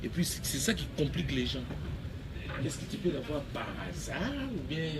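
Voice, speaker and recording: A man hosting a casual chat, talking in an animated, emphatic way and laughing often. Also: mid-range voice, normal speed. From Congo. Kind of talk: casual chat mixing French and Lingala. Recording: loud background noise.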